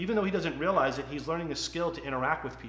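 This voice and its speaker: A man talks with ordinary pitch variation, and audible room echo trails his words. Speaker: magician. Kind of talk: interview. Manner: articulate.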